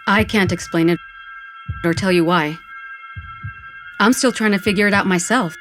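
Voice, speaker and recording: A woman's voice: medium pitch, moderate pace, soft background music, lightly acted. A woman playing a wry undead Latina goth who narrates her own story in a dramatic comic audio fiction style. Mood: wry storytelling.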